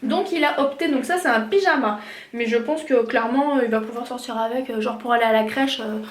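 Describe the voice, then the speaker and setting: French mom in her 30s chatting thru a haul, lots of euhs, high voice, roomy echo. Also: fairly quick. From France. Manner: chatty, hesitant with many fillers. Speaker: vlogger. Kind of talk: casual product haul chat. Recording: echoey room, faint noise.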